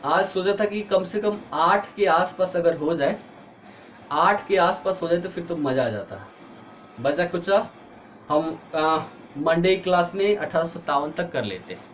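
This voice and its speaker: A man's voice: a little high, lively intonation, unhurried, a bit bright, highs cut off, a little hiss or hum. A male teacher giving an online exam-prep history lecture, explaining step by step and asking students questions, tired with a headache.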